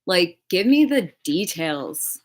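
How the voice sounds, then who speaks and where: A woman's voice: fairly low pitch, sing-song, slow pace. A woman chatting casually on a livestream as a true crime creator, rambling with lots of filler words and casual swearing.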